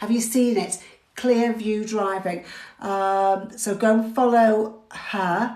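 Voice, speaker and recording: The speaker has a British accent and talks very slowly with fairly even intonation. Noticeable background noise and audible room echo come through. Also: woman. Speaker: driving theory test instructor. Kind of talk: live stream lesson. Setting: live video stream. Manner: chatty, hesitant with fillers.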